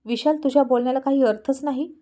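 A woman's voice: high voice, steady tone, quick pace, warm tone, pitched above the performer's own voice, lightly acted. A woman voicing a reproachful, protective middle-aged mother in a spoken story, raising her voice in disbelief. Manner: reproachful, raised, incredulous.

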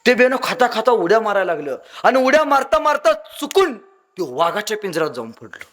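A man's voice: sits high, big pitch swings, a little fast, a bit bright. A young man from Maharashtra, giving a motivational speech full of acted-out stories and emotional swings. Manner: dramatic, acts out voices in anecdotes, emotional swings. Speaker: motivational speaker.

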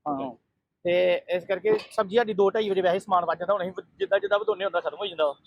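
A man's voice: high-pitched, steady tone, racing, no echo, highs cut off. A man who runs a family food stall, speaking in an earnest, repetitive way in a casual interview. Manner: earnest, repeats himself.

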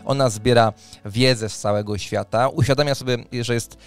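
A man's voice: mid-range voice, fairly even intonation, normal speed. A man, co-hosting a discussion of tabletop role-playing ideas, often searching for words. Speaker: podcast co-host, game master. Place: small dim home studio. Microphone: close studio mic on arm, headphones. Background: faint music.

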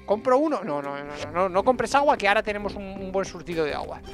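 A young adult video game streamer from Spain, speaking with a Castilian accent, offers casual, chatty gameplay commentary full of playful self-talk and diminutives. His high-pitched voice carries lots of fry and gravel, animated and quick, through a headset mic with game music clearly audible.

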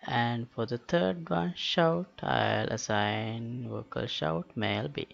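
A man narrating a step-by-step software tutorial in a halting, matter-of-fact manner. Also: medium pitch, gravelly. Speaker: tutorial host. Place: indoors, screen-recording voice-over. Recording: dull lo-fi voice-over with clicks.

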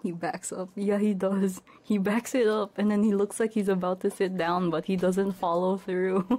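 A woman's voice: medium pitch, flat delivery, normal speed, darkish tone. A woman livestreamer chatting casually and playfully, often dropping into a whisper, with a giggly, doting way of talking as if to pets. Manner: giggly, doting and playful, cooing to pet dogs. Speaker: livestreamer, ASMR VTuber. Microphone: binaural 3Dio ASMR microphone. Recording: faint background noise, live stream.

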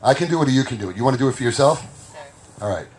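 Male stage hypnotist, rapid playful patter, repetitive and teasing, faint noise of a tent show behind him. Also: mid-range voice, lively intonation. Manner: playful, teasing, repeats words and phrases. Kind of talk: live comedy hypnosis show patter with volunteers. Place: inside a party tent, outdoors event. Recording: noisy party tent on camera microphone.

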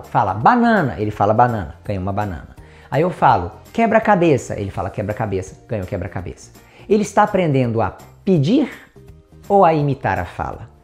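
Warm-voiced Brazilian specialist explaining methodically. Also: male voice, medium pitch. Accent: Brazilian Portuguese. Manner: methodical, steps through examples. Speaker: child development specialist. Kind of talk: educational explainer video.

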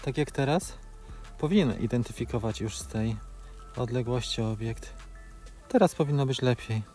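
A man in his forties talks through each step of a drone flight in a calm, practical way, his voice sitting at a middling pitch. He pauses between phrases with filler sounds. Faint music plays under him. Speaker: drone video creator. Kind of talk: hands-on tutorial commentary. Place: outdoors in open grassland.

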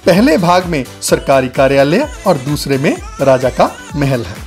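A man's voice: a little high, big pitch swings, moderate pace. A man narrating a travel guide as a scripted voice-over, speaking to viewers as friends. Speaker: travel vlogger. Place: voice-over, not recorded on location. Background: faint background music.

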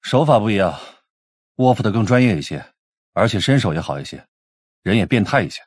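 A man's voice: fairly low pitch, very animated, brisk, breathy edge, dry recording, studio quality. A man playing a cool, blunt police detective in his twenties in an audiobook drama, terse and assured. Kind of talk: Mandarin audiobook drama acting.

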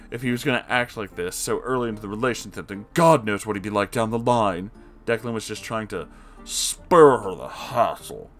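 Lowish-voiced man reading a story aloud. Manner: expressive, sarcastic asides between read passages. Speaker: story reader.

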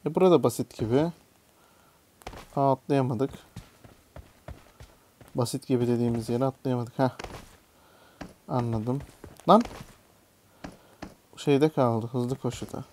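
A young gaming YouTuber speaks at a measured pace with frequent pauses in a mellow, mid-range voice, muttering casual commentary over a mobile game. Failed jumps draw swears and yelps from him, and the audio carries a little hiss or hum.

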